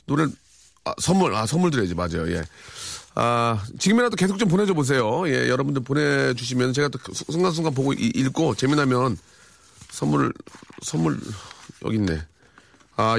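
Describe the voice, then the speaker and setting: A man's voice: medium pitch, gravelly, dry recording. A man hosting a radio show in casual chat, reading out listener messages with wry, chatty reactions.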